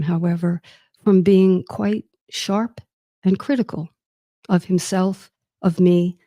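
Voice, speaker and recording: A woman's voice: lowish voice, no echo, studio quality. Wry woman telling her family story. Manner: warm, wry and reflective. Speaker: host. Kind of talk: personal storytelling monologue.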